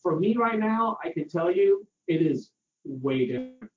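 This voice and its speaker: Speaking at a moderate pace in a high, expressive voice, a middle-aged Danish-accented man tells a casual story, acting out dialogue and using lots of fillers. He is a parasitology researcher from Denmark. The recording is muffled and distant, with a roomy feel and faint ambience.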